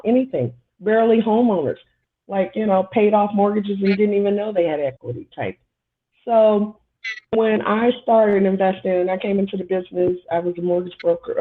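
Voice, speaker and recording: A woman in her forties, born in Somalia, speaking as a guest on a casual panel chat in a candid, rambling way. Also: medium pitch. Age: 40s. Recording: tinny phone-like line.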